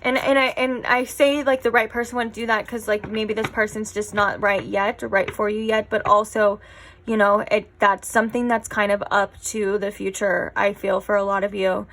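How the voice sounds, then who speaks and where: A woman's voice: medium pitch, level tone, moderate pace, fairly bright tone. A young woman giving a casual tarot reading, rambling and chatty with lots of fillers. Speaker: tarot reader.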